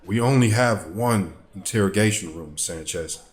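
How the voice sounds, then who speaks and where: Man acting a low-voiced, gruff, stubborn cop. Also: moderate pace, faint music behind, natural voice. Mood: grudging. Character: stubborn, frustrated male police officer, protective of troubled kids. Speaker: police detective. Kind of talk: dramatic dialogue in an audio drama.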